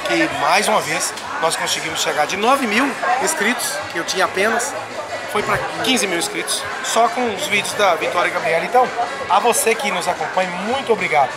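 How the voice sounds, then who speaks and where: A high-pitched Brazilian man in his forties talks earnestly and at length into a phone held at arm's length. He is at a booth at a busy fair, and heavy crowd noise fills the background. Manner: emphatic, rambling, heartfelt. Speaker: web TV host. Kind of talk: casual on-site interview. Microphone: handheld phone camera at arm's length. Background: loud crowd chatter.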